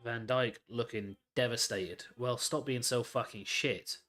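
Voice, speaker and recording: A man's voice: medium pitch, steady tone, a little slow, a bit bright. A man hosting a live football watchalong, calling the play and ranting bluntly with lots of swearing. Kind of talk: live match commentary and rant.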